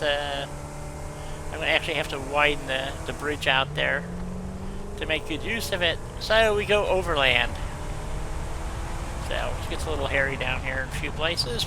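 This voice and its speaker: A man's voice: on the high side, noisy background. A man chatting casually with a viewer while playing a game on stream, rambling in a folksy way and leaning on "you know.".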